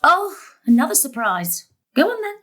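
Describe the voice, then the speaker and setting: A woman's voice: high voice, sing-song, normal speed, a bit bright. An actress playing a long-suffering middle-aged daughter and mother in an audio drama, emphatic and sarcastic. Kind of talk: stage-style audio drama acting.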